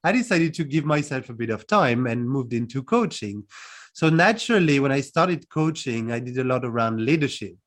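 This is a man, a guest talking about his life and work. He speaks in a measured, reflective and friendly way, at a middle pitch for a man. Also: expressive. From France. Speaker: guest, coach. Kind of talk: casual interview.

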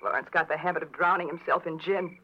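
A woman's voice: sits low, quick pace, lightly acted. An actress playing a frightened, distraught young woman in a 1940s-style radio drama, speaking with breathless, hesitant emotion. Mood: shaken, subdued. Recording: dull, faintly noisy old radio recording.

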